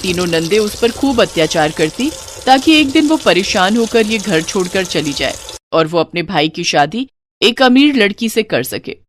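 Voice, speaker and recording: A woman narrating a scripted moral story in an expressive storytelling style. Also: mid-range voice, moderate pace, a little hiss or hum.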